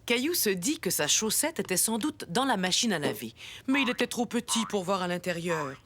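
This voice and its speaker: A woman playing a kindly storyteller, narrating a children's cartoon in a gentle, expressive way. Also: medium pitch, fairly quick, a little hiss or hum, natural voice. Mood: storytelling. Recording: music behind the voice.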